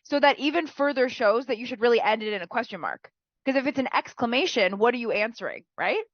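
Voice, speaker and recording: A woman's voice: on the high side, lively intonation, fast talker, no room sound, dull audio. Woman, teacher, nasal from a cold, chatty, dry close sound. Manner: chatty, peppered with "right?" and "like". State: sick, nasal. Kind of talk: classroom writing feedback.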